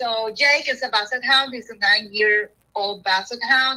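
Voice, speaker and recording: At a fairly slow pace, a woman speaks in a fairly high pitch with a bright, sharp tone and ordinary pitch variation. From Puerto Rico. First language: Spanish. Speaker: pet owner caller. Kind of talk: question to experts.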